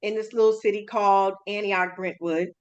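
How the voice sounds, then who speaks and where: A woman hosting an interview, chatty and friendly and quick to laugh. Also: mid-range voice, steady tone, muffled recording. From California. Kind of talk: casual interview chat.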